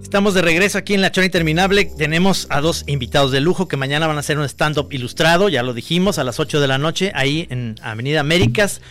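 A man's voice: on the high side, fast talker, few pauses, fairly bright tone, faint music behind. A man with a Mexican accent hosting a podcast in casual, joking chat, often laughing. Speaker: podcast host.

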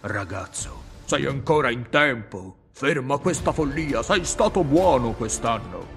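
A man's voice: medium pitch, lively intonation, unhurried, gravelly, fairly bright tone, soft background music, pitched above the performer's own voice. A man voicing a good-natured old bearded man in red, kind and pleading.

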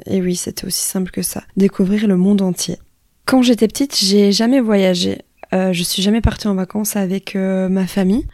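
A woman's voice: medium pitch, steady tone, normal speed, a little mellow, no room sound. Young woman, close dry sound. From Wallonia, Belgium. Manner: informal, conversational, unscripted. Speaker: podcast host. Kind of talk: spontaneous solo podcast talk.

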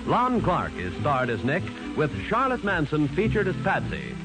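A man's voice: fairly high pitch, wildly swooping pitch, moderate pace, poor audio. An American-accented man working as a radio announcer, delivering in a 1940s broadcast style. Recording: old radio broadcast recording. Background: music.

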